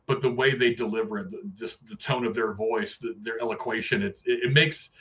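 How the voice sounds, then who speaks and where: A man's voice: lowish voice, fairly even intonation, a little fast, fairly bright tone, muffled recording. A man co-hosting a casual movie review podcast, rambling and repeating himself as he talks and reads trivia. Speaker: podcast co-host.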